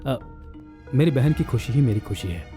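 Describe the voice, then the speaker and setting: An actor dubbing a doting, wealthy businessman elder brother who talks in a soft, measured, polite way. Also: medium pitch, expressive, faint music behind, close to an everyday voice. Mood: earnest. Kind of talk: dubbed film acting.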